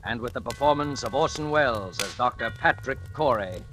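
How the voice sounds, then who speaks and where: A man's voice: medium pitch, expressive, a little fast. A man announcing the next part of a radio drama in a formal announcer tone, with music behind. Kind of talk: program introduction.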